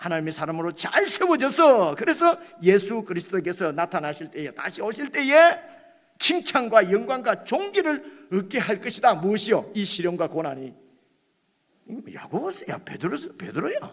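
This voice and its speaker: A man speaks at a moderate pace in a high voice. His pitch swings very widely and his loudness shifts a great deal. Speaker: pastor. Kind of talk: sermon.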